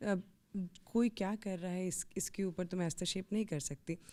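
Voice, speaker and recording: A woman with a Bihar accent speaks in a dark, mellow tone. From Mithila region, Bihar. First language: Maithili (speaking Hindi). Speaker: film producer and actress. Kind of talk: interview. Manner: formal.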